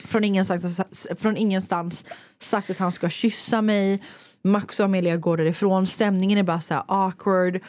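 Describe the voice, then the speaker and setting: A woman, a podcast host talking casually and telling a story in a lively way, acting out what others said. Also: medium pitch, no echo. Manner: animated storytelling, acting out quotes. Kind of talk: casual chat.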